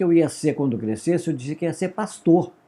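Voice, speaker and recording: Fairly high-pitched for a man, this voice has a dark, mellow tone, ordinary pitch variation and a fairly quick pace. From Brazil, Minas Gerais (Caratinga, Belo Horizonte). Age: 70s. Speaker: retired evangelical translator and writer. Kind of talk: personal testimony. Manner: halting, with repetitions.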